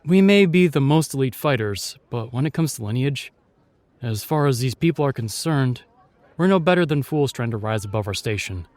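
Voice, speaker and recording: An actor playing a chivalrous, shyly tender knight in a fantasy audio roleplay, speaking with courtly, reassuring and slightly hesitant phrasing. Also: male voice, mid-range voice, lively intonation, normal speed, a little mellow, no room sound, lightly acted. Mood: reassuring, wry.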